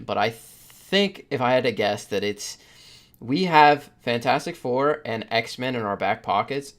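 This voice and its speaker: A man co-hosting a podcast in casual, opinionated chat, blunt and emphatic in how he makes his case. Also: mid-range voice. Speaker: podcast co-host.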